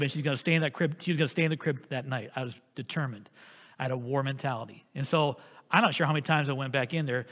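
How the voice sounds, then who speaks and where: A man preaching a sermon as pastor, telling a family story in an earnest, animated way. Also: a little high, big-room sound.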